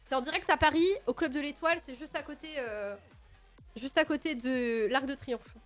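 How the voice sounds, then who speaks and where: High-pitched woman streaming live, chatty and playful, bursts out excited now and then, faint music behind. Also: moderate pace. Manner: playful, expressive, sudden excited outbursts. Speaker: livestream host. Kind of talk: casual livestream chat.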